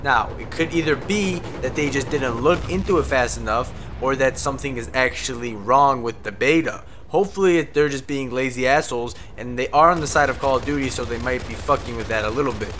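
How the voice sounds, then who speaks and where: A man's voice: medium pitch, fairly quick, few pauses, fairly bright tone, slight background noise. A young man talking over gameplay footage as a game commentator, casual and frank, swearing when he gets frustrated. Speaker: gaming commentator.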